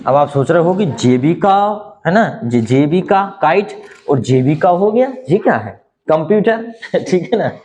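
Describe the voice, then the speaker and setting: A man whose first language is Hindi, teaching a spoken English lesson and explaining slowly with many rhetorical questions. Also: a little high, animated, a little mellow, slight background noise.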